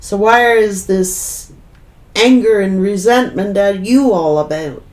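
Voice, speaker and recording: A woman tarot reader speaking to her viewers with a blunt, scolding edge. She talks slowly and draws out her words, pressing each point home with repetition and the odd swear word. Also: mid-range voice, darkish tone, slight background noise. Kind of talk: tarot reading to camera.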